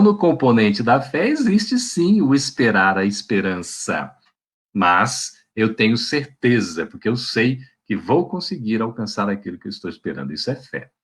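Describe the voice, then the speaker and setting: A man's voice: medium pitch, slightly rough. A man giving a devotional spiritist talk to an online audience in a colloquial preaching manner, often adding tag questions. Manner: warm, colloquial preaching with frequent "né?" tags. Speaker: spiritist lecturer. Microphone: video call.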